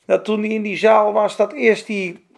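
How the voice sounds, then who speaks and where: A male preacher with a high, gravelly voice. He retells scripture fervently and conversationally, breaking off for casual asides to the congregation. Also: flat delivery, normal speed. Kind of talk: sermon.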